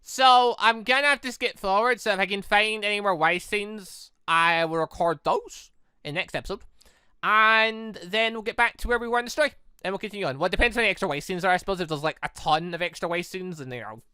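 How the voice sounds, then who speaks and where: A man giving chatty, excitable, rambling commentary as he plays a visual novel. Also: high-pitched, quick pace, clean tone, dry recording. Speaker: gaming video host.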